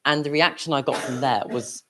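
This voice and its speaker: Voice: mid-range voice, brisk, noisy background. A young adult speaking plainly and explaining things in a public talk with audience questions. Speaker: speaker at a commemorative event.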